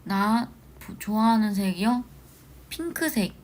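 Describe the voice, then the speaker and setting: A young woman in her twenties, an idol hosting a casual livestream from a small room at home, chatting and telling animated stories. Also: medium pitch, normal speed. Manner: chatty, animated storytelling with shouted quotes. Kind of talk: casual livestream chat reading comments.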